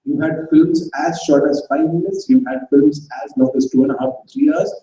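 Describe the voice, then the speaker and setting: A man's voice: on the high side, very animated, moderate pace, dark tone. A man introducing a staged reading to a live audience, chatty and quizzing the crowd. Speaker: event presenter. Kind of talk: casual talk to a live audience. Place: auditorium at an arts festival. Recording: echoey hall, distant mic.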